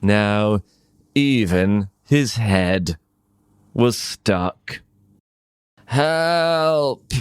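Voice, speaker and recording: A British man narrates very slowly for English learners, in a fairly low voice. He speaks in simple, deliberate phrases with frequent pauses, and the recording is dry and close. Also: darkish tone, no echo. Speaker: English teacher and storyteller. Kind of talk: slow storytelling for English learners.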